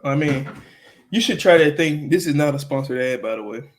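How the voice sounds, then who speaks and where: A man in his twenties with a Mississippi accent, co-hosting a podcast, playful and excitable in casual chat with his sister. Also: a little high, fairly quick. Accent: Southern US, Mississippi. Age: 20s. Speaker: podcast co-host.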